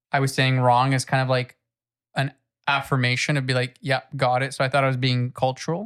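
On a very clean recording with a silent background and a dry, close sound with no echo, a man talks at a medium pitch and a fairly quick pace, his loudness very even. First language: not English. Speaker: comedy podcast co-host. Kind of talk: casual chat. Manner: animated, laughing often.

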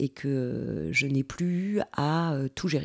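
With a very deep, low pitch and ordinary pitch variation, a woman comes through a very clean recording with a silent background and a dry, close sound with no echo. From Île-de-France. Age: 50s. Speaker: behavioural therapist. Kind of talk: podcast interview.

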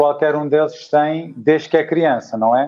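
Noticeable background noise sits behind a man speaking at a moderate pace. His pitch is fairly high, with fairly even intonation. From Cape Verde. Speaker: stand-up comedian. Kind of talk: casual chat.

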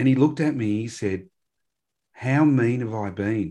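A man with an Australian accent and a dark, mellow tone on a very clean recording with a silent background. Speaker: podcast host. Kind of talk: casual interview.

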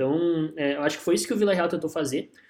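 A man with a fairly high pitch has an unremarkable speaking voice and ordinary pitch variation. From southern Brazil, Porto Alegre. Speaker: football pundit. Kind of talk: casual chat.

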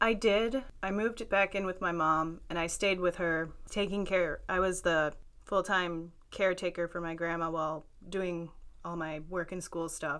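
Speaking in an American accent at a moderate pace, a woman keeps a fairly low pitch and fairly even intonation while her loudness swings widely. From Chicago. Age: 20s. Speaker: rock climber and outdoor store worker. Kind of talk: casual chat. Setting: studio.

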